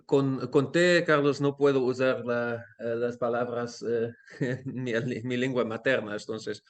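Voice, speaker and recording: Interviewed casually at home in Amsterdam, this man, a language teacher whose first language is Dutch, speaks slowly with a medium pitch and fairly even intonation. He hesitates often, hunting for words amid fillers and restarts.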